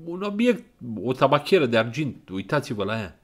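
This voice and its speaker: A man's voice: medium pitch, big pitch swings, voice pushed up. A man voicing a pale, nervous young man who stammers in an audiobook. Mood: snapping. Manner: stammering, voice cracking, then snapping.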